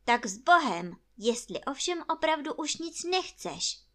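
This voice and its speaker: A woman's voice: high voice, sing-song, pushed and bright, pitched above the performer's own voice, exaggerated voice. A woman doing a fussy, prim little rabbit. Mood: fussy polite. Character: fussy cautious little rabbit host, polite. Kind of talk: storybook reading.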